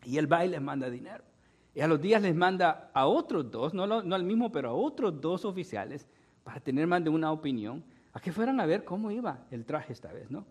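High-voiced male pastor preaching. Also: big pitch swings, a little fast, a little mellow. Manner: storytelling with frequent "¿no?" tags. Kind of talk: sermon.

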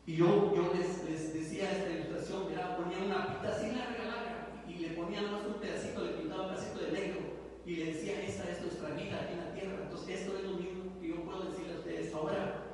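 A lay preacher with a notably high voice walks his congregation through scripture in an easy, conversational way, tagging his points with rhetorical questions. He sounds distant from the microphone, and his voice rings through a large, echoing hall with a faint hiss beneath it. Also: steady tone, fast, a little mellow. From Guatemala. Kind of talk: Bible study sermon.

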